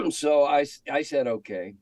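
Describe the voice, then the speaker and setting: An older American man telling stories casually in an interview, candid and halting, often clearing his throat. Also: fairly high pitch, expressive, a little mellow, dry recording. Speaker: interview guest, game industry veteran. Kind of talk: casual reminiscing conversation.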